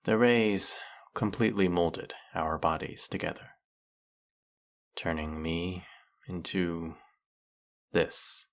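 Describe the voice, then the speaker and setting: An actor playing a snake-headed male villain in an audio roleplay, speaking in a soft, formal, measured way. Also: low-pitched, steady tone, gravelly, exaggerated voice. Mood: bitter storytelling.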